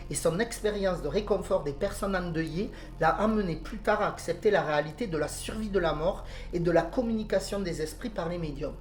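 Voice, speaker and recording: A woman with a southern French accent, co-hosting a podcast and reading out a report, hesitating with fillers when she talks freely. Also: mid-range voice. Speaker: podcast co-host. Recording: roomy home podcast recording.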